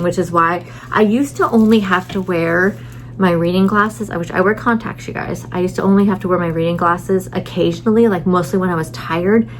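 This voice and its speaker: A woman's voice: lowish voice, gravelly, slight background noise, poor audio. A middle-aged woman chatting casually in a vlog from a hotel room, rambling with many fillers, tired and a little stuffy. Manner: rambling, lots of fillers and restarts. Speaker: vlogger.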